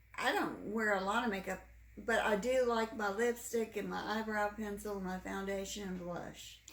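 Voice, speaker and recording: Fairly high-pitched female speech at a moderate speed, amid noticeable background noise and audible echo from the room. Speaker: interviewee, mother of host. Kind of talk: casual interview.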